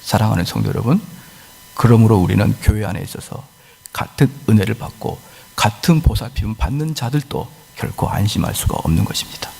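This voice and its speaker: A man's voice: lowish voice, animated, fairly quick, vocal fry, warm tone, slightly rough. A male pastor preaching a sermon in a church, dramatic and full of rhetorical questions. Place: church sanctuary. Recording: church hall reverb.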